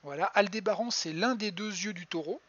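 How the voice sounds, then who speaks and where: Man, fairly high voice, husky, planetarium educator, chatty with fillers, muffled home stream. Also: brisk, a bit bright. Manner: chatty, hesitant, many fillers and restarts. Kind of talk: live-streamed astronomy lesson. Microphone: home computer mic.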